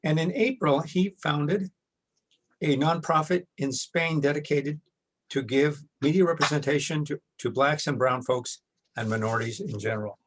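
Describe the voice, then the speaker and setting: Husky man moderating a video call. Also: on the high side, rough recording. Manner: measured and formal, reads introductions with occasional restarts. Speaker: workshop moderator. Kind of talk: formal welcome and introductions on a video call.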